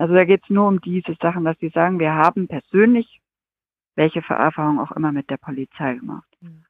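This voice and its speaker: A woman with a plain, everyday voice speaks at a fairly quick pace and fairly low pitch, with ordinary pitch variation and big swings in loudness. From Germany, Stuttgart (Swabia). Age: 40s. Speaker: social worker in juvenile justice. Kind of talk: casual interview chat.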